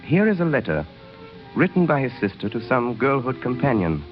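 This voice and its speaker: A man narrating a radio drama in a measured storytelling way, on a muffled old broadcast. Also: mid-range voice, very animated. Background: music.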